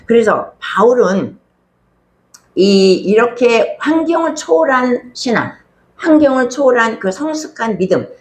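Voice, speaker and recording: A woman pastor delivers a sermon at an everyday pitch, talking to her listeners as if in conversation. She stresses points by repeating words and poses rhetorical questions. Her voice echoes around a roomy church hall. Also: darkish tone. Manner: conversational preaching, emphatic repetition, rhetorical questions.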